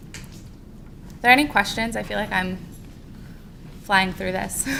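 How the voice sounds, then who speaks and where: A woman speaks at a very slow pace with a bright, sharp tone, vocal fry, and big swings in loudness, over light background noise. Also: ordinary pitch variation. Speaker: Medicare counselor training volunteers; presenter. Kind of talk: training presentation. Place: meeting room. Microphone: podium.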